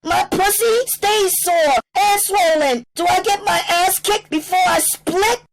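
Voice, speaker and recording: A man voicing a young, angry and defiant woman prostitute in a falsetto. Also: expressive, moderate pace, music in the background.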